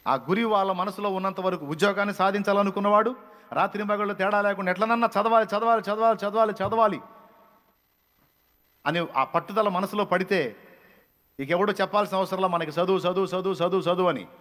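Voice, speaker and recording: High-voiced Telugu preacher in a reverberant hall. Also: male voice, brisk, fairly bright tone. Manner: scolding, repetitive, emphatic preaching. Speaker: pastor. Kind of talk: fiery sermon.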